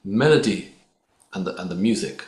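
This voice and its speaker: A man's voice: deep voice, animated, moderate pace, a little mellow. A man, a singer guest on a podcast, talking easily and thoughtfully in a casual conversation. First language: not Hindi or Urdu. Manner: reflective, easygoing, uses sports comparisons. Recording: echoey room with faint ambient noise.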